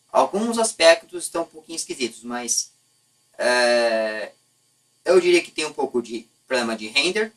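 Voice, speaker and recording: A man's voice: medium pitch, fairly bright tone, far from the mic, low-quality recording. A Brazilian man speaks off the cuff as a video host, in a mid-range voice heard a little way from the microphone. His Brazilian Portuguese accent comes with blunt, slangy phrasing. He often halts and rewords what he is saying. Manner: blunt, colloquial, lightly profane. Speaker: YouTube host. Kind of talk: unscripted opinion vlog, casual commentary.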